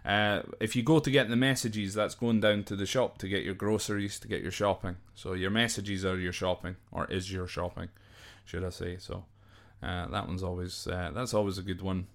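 A man's voice: deep voice, steady tone, moderate pace, few pauses. A Scottish man informally explaining slang from a list, off the cuff and hesitantly, sometimes spelling words out. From Scotland. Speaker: podcast host.

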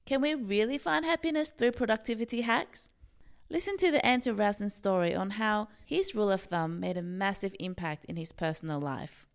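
A woman hosting a podcast interview, asking calm, measured questions. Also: medium pitch, clear, resonant tone, no room sound. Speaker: podcast host.

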